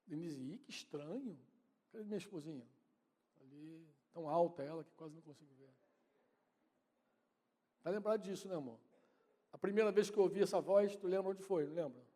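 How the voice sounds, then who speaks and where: A man's voice: high voice, fairly quick, long pauses, warm tone, long reverb tail. A man with a Brazilian Portuguese accent preaching a sermon in a conversational way, often addressing his congregation and his wife directly. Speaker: pastor. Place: church hall.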